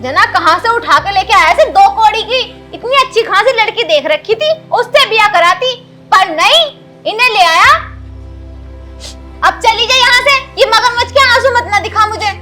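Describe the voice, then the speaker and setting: A woman's voice: very high-pitched, expressive, moderate pace, bright, forceful tone, soft background music, exaggerated voice. A woman playing a harsh, scolding village mother-in-law. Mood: contemptuous. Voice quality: scolding, contemptuous. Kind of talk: rural Hindi film drama.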